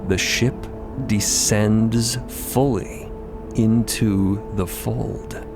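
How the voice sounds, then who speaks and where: Slow, low-voiced male narrator. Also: fairly even intonation, gravelly, over music. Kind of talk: dramatic scripted narration.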